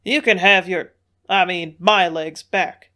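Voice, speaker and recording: A woman reading the part of a rough male sailor, speaking loudly, gruffly and bluntly. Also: mid-range voice, normal speed, natural voice.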